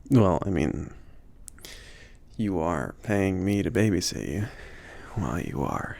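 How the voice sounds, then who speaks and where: Low, creaky, unhurried male mage, acted by a man. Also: very animated, a little mellow, full character voice. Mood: casual, teasing. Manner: hesitant, murmured, reassuring, chuckling. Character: laid-back, gently teasing male mage, potion shop owner. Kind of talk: ASMR roleplay, intimate one-sided conversation.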